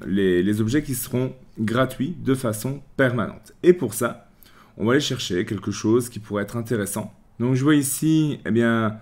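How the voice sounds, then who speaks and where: A man from France hosting a screen-recorded software tutorial, chatty, with many restarts, walking through each click. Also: medium pitch. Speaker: tutorial host.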